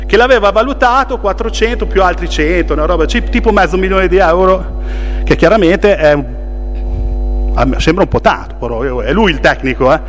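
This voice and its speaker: A man's voice: sits high, fairly quick, slight background noise. Hesitant, rambling male town councillor. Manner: rambling, hesitant, many restarts and chuckles. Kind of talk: council meeting remarks. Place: council chamber.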